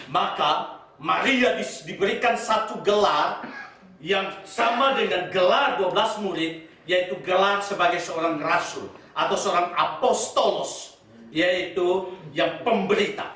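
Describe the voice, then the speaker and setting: A male pastor preaching a sermon and reading scripture, deliberate and given to repeating key phrases. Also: sits high, sharp tone. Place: church hall. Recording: very echoey hall, voice from far off.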